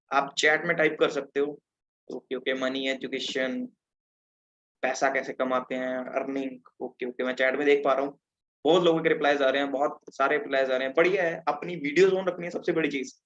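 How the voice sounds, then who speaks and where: A man's voice: fairly high pitch, fairly bright tone, lo-fi sound. A teenage man from Punjab giving an interactive online lesson over a video call, chatty and often checking in with his listeners. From Punjab, India. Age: teens. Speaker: webinar presenter.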